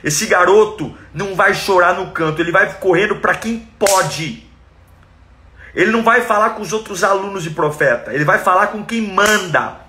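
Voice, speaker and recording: Brazilian male preacher, high and bright, emphatic sermon delivery. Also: normal speed, a little hiss or hum. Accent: Brazilian Portuguese. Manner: emphatic, acts out quoted cries dramatically.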